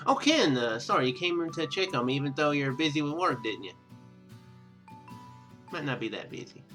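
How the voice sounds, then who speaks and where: Animated, bright-voiced man rambling over a game. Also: on the high side, soft background music. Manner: rambling, halting, self-deprecating. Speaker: let's player. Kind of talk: casual gameplay commentary. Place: indoor room at home.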